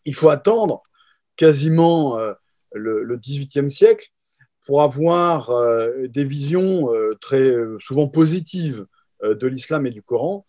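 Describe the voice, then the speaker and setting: Hesitant historian with a dark voice. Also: male voice, mid-range voice, expressive, a little slow, no room sound. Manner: hesitant, many fillers and restarts. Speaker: historian guest. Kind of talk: interview answers.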